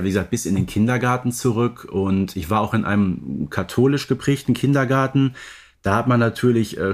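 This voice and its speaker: A man's voice: mid-range voice, a little mellow. Easygoing man co-hosting a casual podcast. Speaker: podcast co-host. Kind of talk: casual conversational podcast chat.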